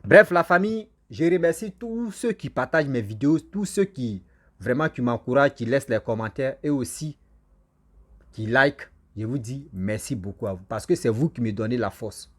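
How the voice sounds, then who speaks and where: A man, whose first language is a local African language, telling a village legend to his viewers in a lively, repetitive style with frequent asides to them. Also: medium pitch, normal speed. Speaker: storyteller and channel host. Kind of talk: casual oral storytelling to viewers.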